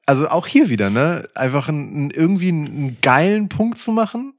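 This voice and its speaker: A man's voice: on the high side, lively intonation, a little fast, no echo, studio quality. A man from northern Germany co-hosting a podcast, chatting casually, with frequent restarts and chuckles. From Schleswig-Holstein, Germany. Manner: rambling with many restarts and laughs. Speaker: podcast co-host. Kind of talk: casual chat about wrestling.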